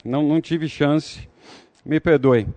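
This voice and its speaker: A man's voice: fairly high pitch, measured pace, a little mellow. A man leading an interactive Bible study, talking conversationally and putting questions to the audience.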